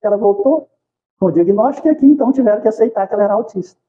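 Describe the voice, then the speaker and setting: Brazilian guy preaching at a spiritist centre, high-ish voice, rattles off folksy stories and questions, dull lo-fi sound. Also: animated, racing. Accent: Brazilian Portuguese. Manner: folksy storytelling, rhetorical questions, acts out dialogue. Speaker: spiritist lecturer. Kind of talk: informal spiritist talk with acted anecdotes.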